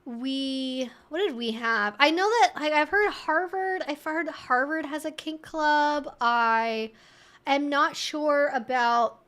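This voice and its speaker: High-pitched young woman chatting casually. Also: fairly bright tone. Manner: rambling, informal, thinking aloud. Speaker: livestream host answering viewer questions. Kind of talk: casual livestream chat.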